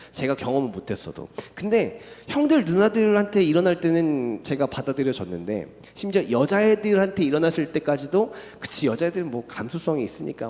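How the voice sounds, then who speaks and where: A man's voice: a little high, a little mellow. A young man giving an emotional church testimony, telling his story with a voice that rises in intensity. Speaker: testimony speaker. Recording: long reverb in a hall.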